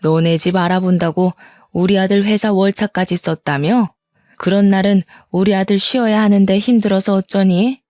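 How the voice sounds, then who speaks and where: A woman reads out an overbearing older mother-in-law, nagging and presumptuous, in a dark, mellow voice. The story-channel telling is close and dry, with no room around it. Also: medium pitch, steady tone, normal speed, dry recording, close to an everyday voice.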